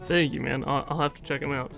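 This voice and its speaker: A young man in his twenties talking casually through a headset while gaming, soft-spoken and a bit hesitant, with game sounds and guitar music behind him. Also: mid-range voice, steady tone, quick pace, vocal fry. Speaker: streamer and singer. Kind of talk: casual gaming chat with strangers.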